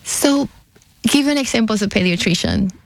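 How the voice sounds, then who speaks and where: A woman's voice: medium pitch, expressive, normal speed, gravelly, no echo, rough recording. Middle-aged Puerto Rican-accented woman, earnest interview guest, dry close sound. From Puerto Rico. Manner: earnest, repeats words while building thoughts. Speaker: pediatrician and nonprofit CEO, interview guest. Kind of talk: interview answers.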